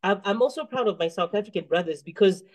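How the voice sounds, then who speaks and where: A woman's voice: medium pitch, quick pace, poor audio. A woman with a Zimbabwean accent, a musician answering as an interview guest in an earnest, explanatory, conversational way.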